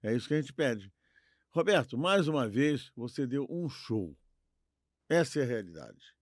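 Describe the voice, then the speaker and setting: An older man with a Brazilian Portuguese accent chatting casually as a podcast co-host, halting and repeating words, often seeking agreement. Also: medium pitch, sing-song, no echo, studio quality. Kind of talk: casual chat.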